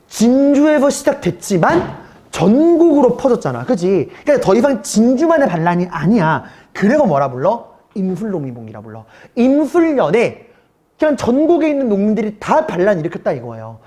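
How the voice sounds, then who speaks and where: A man's voice: high voice, dark tone. A man teaching a middle school history class in a recorded online lecture, talking to his students casually and asking them rhetorical questions. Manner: switches between polite and casual speech.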